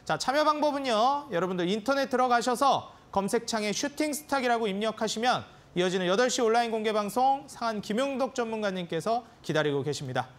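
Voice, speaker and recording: A man's voice: very high-pitched, animated, quick pace, few pauses. A man hosting a finance TV show, announcing an upcoming broadcast in a polished, promotional tone. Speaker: host. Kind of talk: broadcast show host wrap-up.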